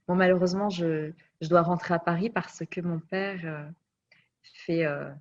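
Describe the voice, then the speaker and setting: A woman with a fairly low voice looks back on her life in an interview, thoughtful and searching for the right words as she goes. The sound is dull and a little lo-fi. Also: steady tone, normal speed, a little hiss or hum. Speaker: interview guest. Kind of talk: personal storytelling interview. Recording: dull lo-fi recording.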